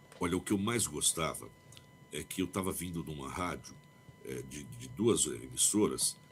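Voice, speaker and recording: This man's voice carries vocal fry. His pitch swings very widely. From Ituverava, São Paulo state, Brazil. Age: 60s. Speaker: radio announcer. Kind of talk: interview answer. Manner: casual, reminiscing.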